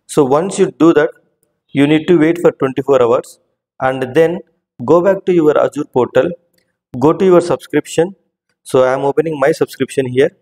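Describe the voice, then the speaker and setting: Man explaining software, reverberant. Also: mid-range voice. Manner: explanatory, repeats "right?" and "so". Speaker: tutorial host. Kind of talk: screen-recorded software tutorial. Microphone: voice-over on screen recording.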